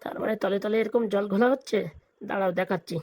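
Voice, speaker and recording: Woman playing a fast, blunt old village grandpa. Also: mid-range voice, fairly even intonation, a little mellow, a little hiss or hum, natural voice. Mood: suspicious, plotting. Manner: scolding, blunt, colloquial. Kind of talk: comic cartoon dialogue.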